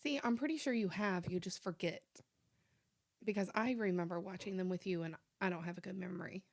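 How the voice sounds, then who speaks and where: A woman's voice: fairly low pitch, brisk, creaky, dry recording, clean studio sound. A woman co-hosting a podcast, giving casual conversational commentary on movies. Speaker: podcast co-host.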